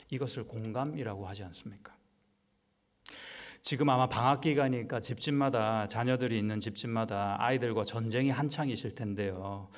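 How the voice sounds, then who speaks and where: A man pastor preaching a Wednesday sermon in a conversational style, asking the congregation rhetorical questions. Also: medium pitch. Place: church sanctuary. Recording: long church hall reverb.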